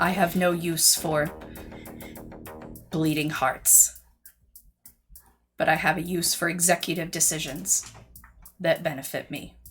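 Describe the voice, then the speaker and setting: With faint music in the background, a woman uses a put-on character voice that is raspy and stern in tone, with a fairly low pitch, a fairly slow pace, and long, frequent pauses. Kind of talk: actual play roleplay. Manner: stern, commanding.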